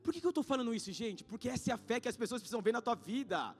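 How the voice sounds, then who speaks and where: A man in his thirties with a Brazilian Portuguese accent, preaching in church. He talks in slangy, casual asides, swinging between loud exhortation and hushed storytelling. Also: very high-pitched, animated, rapid-fire. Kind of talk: sermon. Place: church sanctuary. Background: faint guitar music.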